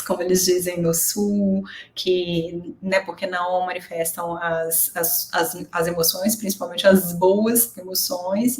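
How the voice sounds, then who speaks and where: A woman's voice: lowish voice, darkish tone, reverberant. A woman psychologist with a Brazilian Portuguese accent, explaining a numbered list of signs in a patient teaching talk, often adding "né". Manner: explanatory, frequent "né" tags and small restarts.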